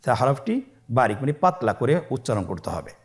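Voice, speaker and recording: A man's voice: mid-range voice, sing-song, fairly quick. A man with a Bangladeshi Bengali accent, teaching Quran reading step by step, patiently repeating each letter for the viewer to echo. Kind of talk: step-by-step Arabic letter lesson.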